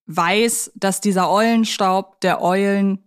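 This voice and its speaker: A woman co-hosting a podcast, talking through films in a reflective, halting way with long winding sentences. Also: medium pitch, fairly even intonation, clear, resonant tone. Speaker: podcast co-host. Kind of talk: conversational film discussion.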